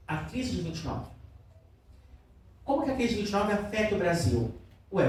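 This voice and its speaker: A man's voice: sits high, warm tone. A man teaching a literature class who keeps checking in with his students and asking them questions, affectionate with the class. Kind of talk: classroom lecture. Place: classroom in a cultural center. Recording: very echoey room, voice from far off, faint noise.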